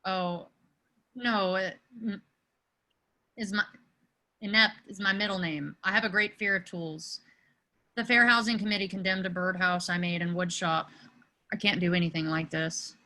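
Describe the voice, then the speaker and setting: Bright-voiced Lane, hapless teenage boy, played by a woman. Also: lowish voice, fairly even intonation, normal speed, long pauses, rough recording. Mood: self-deprecating, awkward. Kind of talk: amateur script table read. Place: remote video call.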